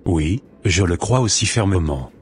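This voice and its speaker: A man's voice: sits low, lively intonation, measured pace, slightly rough, exaggerated voice. A man voicing a solemn, devout Christian in a cartoon, speaking in a formal, pious way. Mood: reverent. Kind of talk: scripted amateur Christian cartoon dialogue. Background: faint music.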